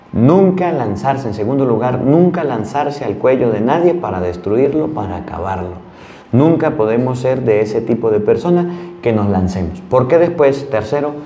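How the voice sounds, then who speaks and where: A man's voice: mid-range voice, dark tone. Man, priest from Venezuela, earnest storytelling sermon, echoey room, faint hum. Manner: storytelling, earnest and plain-spoken.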